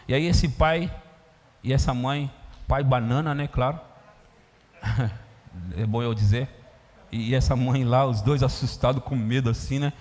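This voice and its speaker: A Brazilian man, a pastor, preaching a sermon in an animated storytelling way, acting out scenes in a church. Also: mid-range voice. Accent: Brazilian Portuguese. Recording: echoey church hall.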